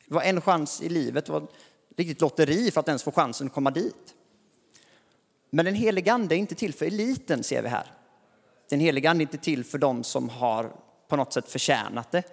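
Man preaching in an echoing hall. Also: on the high side. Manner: relaxed, conversational preaching with light chuckles. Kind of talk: sermon. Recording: long hall reverb.

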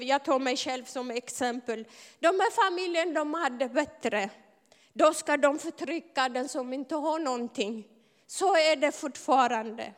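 A woman's voice: extremely high pitch, fairly bright tone. A woman from Ethiopia, giving an impassioned testimony sermon and calling out to her audience. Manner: fervent, rises to calling out to the audience. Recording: long hall reverb.

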